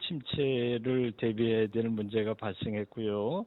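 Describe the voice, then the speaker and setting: A man at a very slow pace, with fairly even intonation. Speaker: city mayor. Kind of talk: interview. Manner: hesitant, many filler sounds.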